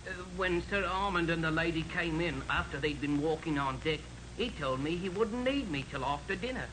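A male servant played by an actor in an old radio drama, with a slightly high voice. He is plain-spoken and deferential, on a noisy vintage recording. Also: normal speed, close to an everyday voice. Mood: respectful, uneasy. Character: deferential male servant giving his account. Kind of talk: 1940s radio acting.

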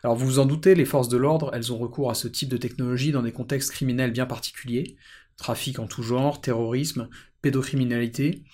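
A man's voice: medium pitch, steady tone, fairly quick, a little mellow. A man with a French accent hosting an interview podcast, introducing topics and putting questions to his guest.

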